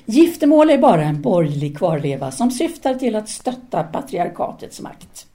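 A woman's voice: medium pitch, sing-song, warm tone, close to an everyday voice. An actress playing a self-assured, seductive intellectual woman, a didactic and teasing free thinker in an audio drama. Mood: firm, didactic.

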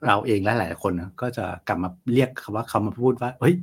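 A man speaks as a guest commentator on a casual live finance talk show. His voice is husky and a little breathy. He rambles in a chatty way, full of fillers. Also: lowish voice, quick pace.

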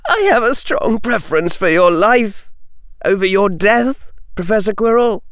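A man reading an audiobook voices a clever, earnest young wizard boy in a higher, urgent pitch. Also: lively intonation, measured pace, a bit bright, no echo, clean studio sound, exaggerated voice. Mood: pleading. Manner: urgent, pleading, raised pitch.

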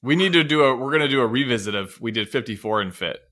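Bright-voiced man in casual banter. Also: medium pitch, lively intonation, fast talker. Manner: joking, self-deprecating. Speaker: podcast co-host. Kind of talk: casual chat.

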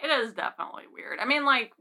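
A woman's voice: sits high, expressive, fast talker, pushed and bright. A young American woman co-hosting a podcast in casual conversation, thinking aloud in an informal, hedging way. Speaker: podcast co-host. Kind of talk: casual chat.

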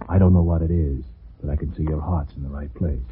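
A man acting a kindly, concerned Catholic priest in a 1940s radio drama, speaking gently and in measured phrases. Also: rumbling low, fairly even intonation, a little hiss or hum. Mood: gentle, concerned. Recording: muffled, tinny 1940s radio broadcast.

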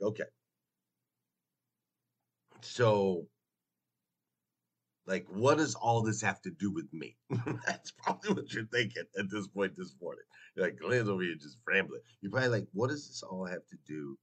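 A man hosting a motivational morning livestream, hoarse as if losing his voice, talking emphatically and chattily straight to his listeners and repeating phrases for effect. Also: sits low, fairly bright tone. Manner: folksy, chatty direct address to listeners. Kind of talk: motivational live talk to an audience.

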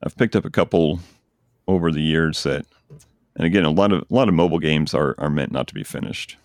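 A man's voice: extremely low pitch, a little fast, no echo, studio quality. A man hosting a podcast, chatting casually and enthusiastically about games he recommends. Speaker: podcast host. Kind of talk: casual chat.

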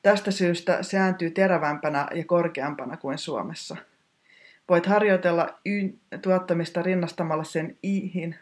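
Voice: mid-range voice, fairly even intonation. A teacher giving a scripted pronunciation lesson in a precise, technical, instructive manner.

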